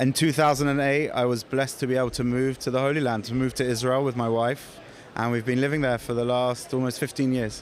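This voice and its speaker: Flat and monotone, a man with a British accent talks at a very fast pace with medium pitch and very even loudness. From England, near London. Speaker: company representative. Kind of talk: interview.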